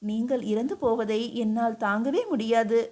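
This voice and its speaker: List: devoted queen, humble, earnest, pleading, read by a woman, slightly high voice. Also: fairly even intonation, moderate pace, darkish tone, natural voice. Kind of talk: audiobook character voice.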